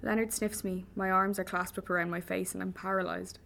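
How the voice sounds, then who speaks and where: A woman's voice: mid-range voice, level tone, a little fast, gravelly, a bit bright, slight background noise. A woman narrating a first-person audiobook in a wry, vivid manner. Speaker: audiobook reader.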